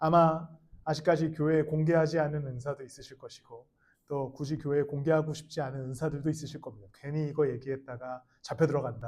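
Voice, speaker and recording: Speaking at a fairly quick pace, a man with a fairly high voice keeps a monotone, flat intonation while his loudness swings widely. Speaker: pastor. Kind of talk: sermon. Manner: fast.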